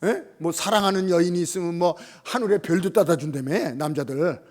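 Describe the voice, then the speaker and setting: A man preaching a Sunday sermon as pastor, telling stories with lively acted-out dialogue and rising to shouts. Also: on the high side, a little fast. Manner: animated storytelling, acting out quoted voices, rising to shouts.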